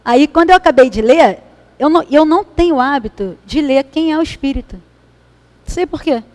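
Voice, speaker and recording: A woman with a high voice and a Brazilian Portuguese accent leads a spiritist study group. She talks to the room in a relaxed way and keeps asking for agreement as she reads and explains. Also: normal speed. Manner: conversational, asks the room for agreement. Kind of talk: spiritist study talk with readings. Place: meeting hall.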